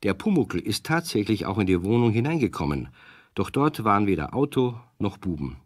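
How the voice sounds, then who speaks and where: A man's voice: on the low side, big pitch swings, brisk, dry recording, studio quality. A man acting as the storyteller of a children's radio play, narrating a scripted tale. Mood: storytelling.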